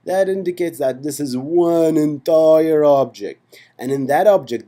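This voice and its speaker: In a relaxed screen-capture lesson, a man with a lowish, warm voice teaches programming. He chats and jokes along the way, often pausing for asides such as "okay" and "right?" to make sure the listener is following.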